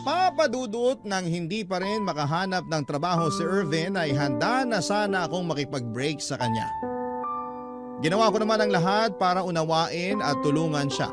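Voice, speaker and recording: A man voicing a young woman who tells her love troubles in an earnest, confessional tone, with a fairly high voice. Loud music plays throughout beneath the narration. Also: lively intonation, moderate pace. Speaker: letter-sender narrator. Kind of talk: dramatized first-person letter reading. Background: loud background music.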